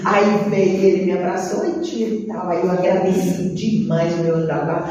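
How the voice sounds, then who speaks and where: A woman with a Brazilian Portuguese accent tells a personal life story to a group, in a lively way, often talking straight to her listeners. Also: fairly low pitch, normal speed, slight background noise. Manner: lively storytelling, addressing the audience directly. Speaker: speaker sharing a life testimony. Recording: echoey hall, mic far off, dull sound.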